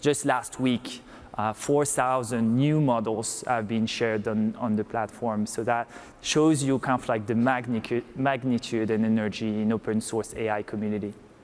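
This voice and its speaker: A man speaks with a French accent and fairly even intonation. Noticeable background noise can be heard. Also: medium pitch for a man, moderate pace. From France. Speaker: tech startup co-founder. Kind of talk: conference stage interview.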